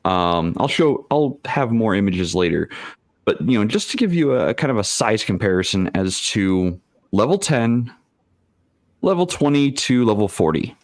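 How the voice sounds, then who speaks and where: A man talking casually on an online panel as a game master, haltingly thinking aloud and using salty, colloquial language. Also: fairly low pitch, big pitch swings, no echo, clean studio sound. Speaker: game master on a tabletop role-playing panel. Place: remote online video call.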